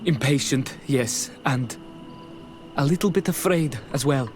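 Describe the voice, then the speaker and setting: A man's voice: mid-range voice, a little slow, darkish tone, lightly acted. An actor playing a humble young male tribal initiate in a fantasy video game. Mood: nervous. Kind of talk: video game dialogue acting. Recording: music behind the voice.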